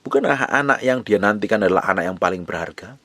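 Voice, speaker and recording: A male pastor preaching a sermon, emphatic, with sudden rising bursts and slow drawn-out phrases. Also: on the low side, lively intonation, a bit bright, dry recording.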